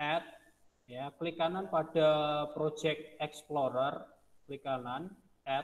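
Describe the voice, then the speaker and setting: A man with a Javanese accent, fairly high in pitch, very slow, with fairly even intonation and long, frequent pauses. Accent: Javanese accent in Indonesian. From Java, Indonesia. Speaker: university lecturer. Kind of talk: lecture. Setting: online class with screen share. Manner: casual, with filler words. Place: home room. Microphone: webcam.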